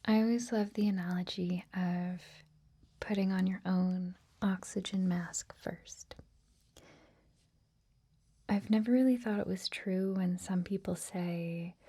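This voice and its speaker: A woman whispering softly in a gentle, reassuring ASMR style, as if hosting a guided meditation. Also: lowish voice. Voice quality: breathy, whispered, soft. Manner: gentle, slow, hushed, reassuring. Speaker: host of a guided meditation series.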